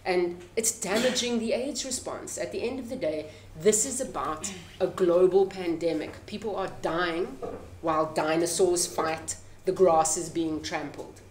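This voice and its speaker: A middle-aged South African woman speaks with conviction at a press conference, her accent clear and her pitch slightly low. She presses her points emphatically. The sound carries a strong echo from the room, with a faint hiss underneath. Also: unhurried. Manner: impassioned, emphatic. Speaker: panelist, activist. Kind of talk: press conference panel remarks. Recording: echoey room.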